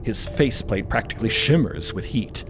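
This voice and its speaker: A man narrating a scripted story in an expressive, theatrical way. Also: lowish voice, moderate pace, over music.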